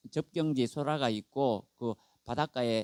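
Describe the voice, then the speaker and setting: On a very clean recording with a silent background, a man speaks at a fairly slow pace in a medium pitch. His voice has ordinary pitch variation in a dry, close sound with no echo. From Gyeongsang region, South Korea. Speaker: pastor. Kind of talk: sermon.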